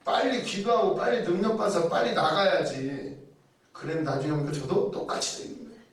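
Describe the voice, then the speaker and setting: A man's voice: high-pitched, brisk. A man preaching a sermon in a chatty way, asking rhetorical questions and acting out people's inner thoughts. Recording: very echoey room, heard from a distance.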